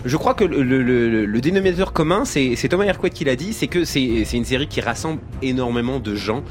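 A man's voice: mid-range voice, brisk, slight background noise. A man hosting a late-night radio show from a studio microphone. He is playful and chatty, and he tends to stumble over repeated words as he talks to guests and callers. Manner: jokey, repeats words when excited. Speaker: radio host.

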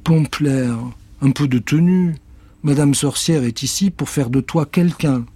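A man voicing an earnest young schoolgirl who gently reassures and scolds her cat, in a storybook reading. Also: fairly high pitch, measured pace, husky, no room sound, voice pushed up. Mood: reassuring.

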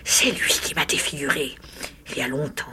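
A woman's voice: moderate pace, sharp tone, a little hiss or hum. A woman reading a short story, voicing a spiteful, greedy, disfigured old hag with a grating, cackling voice. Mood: bitter, vengeful. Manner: wheedling, shrill, sneering.

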